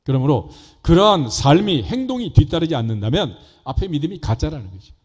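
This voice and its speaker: A male pastor preaching a sermon, reading scripture slowly and solemnly and building emphasis as he explains it. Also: a little high, big pitch swings, darkish tone, slightly rough. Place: church sanctuary. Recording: dull echoey church hall.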